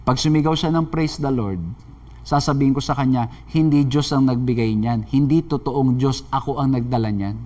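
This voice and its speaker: A man's voice: mid-range voice, steady tone, moderate pace, warm tone, voice pushed down, natural voice. A man with a Filipino accent voicing a scornful male neighbor who doesn't believe in God, taunting and mocking. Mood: scheming.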